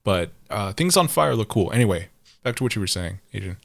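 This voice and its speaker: A man with a fairly low voice talks casually on a podcast. He rambles, swears freely and gets animated as he tells stories. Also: fairly quick, creaky. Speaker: podcast co-host.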